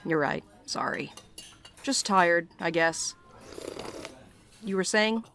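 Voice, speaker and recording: Weary, sardonic mail carrier, lowish voice. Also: female voice, slow, fairly bright tone, slight background noise. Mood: weary, uneasy. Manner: dry, sarcastic, guarded. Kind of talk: naturalistic audio drama acting.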